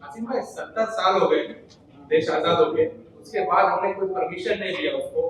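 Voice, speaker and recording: High male voice, off mic, echoey, noisy, questioner at press conference. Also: moderate pace, far from the mic.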